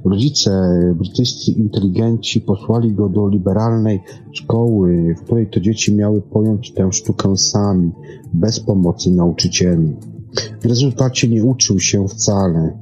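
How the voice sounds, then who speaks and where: A man hosts a science programme, reading scripted narration haltingly, stumbling and repeating words. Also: on the low side, mellow, breathy edge. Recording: dull lo-fi sound. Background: music.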